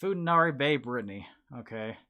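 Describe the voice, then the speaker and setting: A stream host drifts through a relaxed chat, reading things aloud and trailing off mid-thought. The voice sits in a middling register, with clicking heard in the background. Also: medium pitch, fairly quick. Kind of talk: casual chat.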